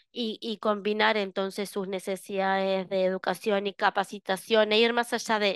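A woman's monotone, flat delivery, recorded dry with no echo against a quiet background. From Finland. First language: Finnish (speaking Spanish). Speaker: vocational training expert; presenter. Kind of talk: webinar presentation; answering audience questions. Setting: video call. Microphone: headset.

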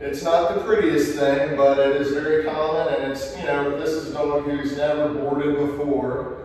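Strong room echo surrounds a man speaking at a moderate pace. Light background noise is also present. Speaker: dog trainer. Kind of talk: tutorial. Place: home room. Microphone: camera far.

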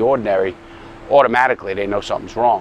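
With light background noise and a dry sound with no echo, a man talks at a very fast pace with ordinary pitch variation. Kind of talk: casual vlog storytelling. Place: street. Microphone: lapel.

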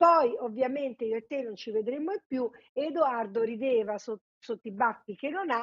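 A woman keeps a moderate pace and ordinary pitch variation, with a quiet background behind her. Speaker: remote TV commentator. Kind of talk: commentary. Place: home room. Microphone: video call.

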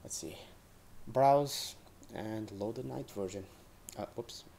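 A man with a Portuguese accent speaks in a dark, mellow tone at a fairly low pitch. His pace is fairly slow and his pitch swings very widely. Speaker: game level designer. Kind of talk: tutorial. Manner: casual, rambling with many fillers.

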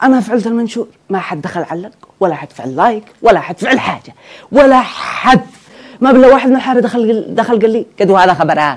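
Against a quiet background, a man talks at a fairly quick pace with lively intonation and big swings in loudness. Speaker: stand-up comedian. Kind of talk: comedy monologue. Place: studio. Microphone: lapel.

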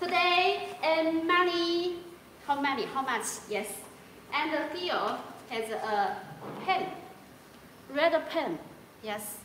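A woman with a Chinese accent speaks at a very slow pace and an extremely high pitch, leaving long, frequent pauses. There is audible room echo and light background noise. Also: lively intonation. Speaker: live-stream sales host. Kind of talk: live-stream sales pitch. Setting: live stream. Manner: halting. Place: factory.

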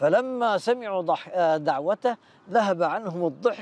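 The sound is dry with no echo. A man speaks at a fairly slow pace with ordinary pitch variation. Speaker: storyteller teacher. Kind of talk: religious storytelling to children. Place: open country. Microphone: lapel.

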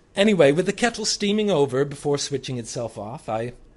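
A somewhat breathy man at a fairly quick pace, with very wide pitch swings. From England. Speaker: performance poet, storyteller. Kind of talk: live comic monologue. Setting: live bar audience.

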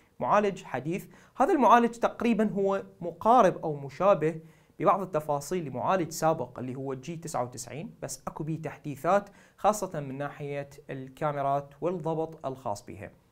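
Against a quiet background, a man with an Iraqi accent talks at a moderate pace. His pitch is fairly high and his intonation lively. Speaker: tech reviewer. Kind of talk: product review. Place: studio. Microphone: lapel.

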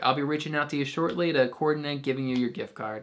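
Speaking very fast with an American accent, a man uses a fairly high pitch and fairly even intonation. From Maryland, US. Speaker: real estate agent; channel host. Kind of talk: scripted narration. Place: home room.

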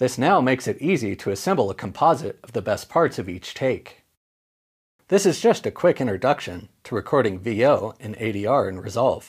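Somewhat breathy, a man talks at a medium pitch and a moderate pace with very wide pitch swings, in a very clean recording with a silent background. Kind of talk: scripted tutorial narration, with a brooding noir-style voiceover sample. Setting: screen-recorded tutorial. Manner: clear, even and instructional in the rest of the tutorial.

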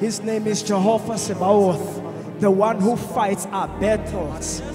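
A man is speaking. Clear music plays behind him. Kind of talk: worship exhortation and prayer. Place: church. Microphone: handheld.

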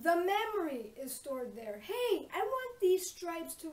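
Moderate pace with audible room echo. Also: woman. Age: 50s. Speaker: life coach and vlogger. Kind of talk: casual vlog monologue. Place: home room. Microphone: phone near.

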